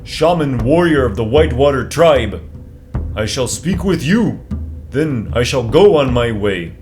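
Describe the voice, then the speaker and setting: A man's voice: medium pitch, expressive, unhurried, a little mellow, faint music behind, voice pushed up, close to an everyday voice. A man voicing a grave, formal shaman warrior. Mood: solemn. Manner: solemn, formal. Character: grave male shaman warrior, dry humor.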